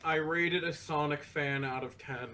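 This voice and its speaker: A man's voice: fairly high pitch, steady tone, a little slow, pushed and bright. A man giving casual, joking commentary in a group reading.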